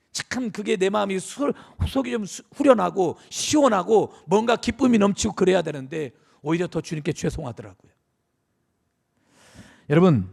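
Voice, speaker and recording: High-voiced gravelly male pastor preaching. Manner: earnest, confessional preaching that often addresses the congregation directly. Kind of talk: sermon. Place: church sanctuary.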